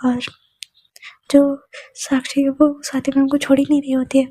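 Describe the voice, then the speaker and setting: A woman narrating a romance story in a soft, half-whispered way. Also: high voice, monotone, normal speed, no echo, low-quality recording.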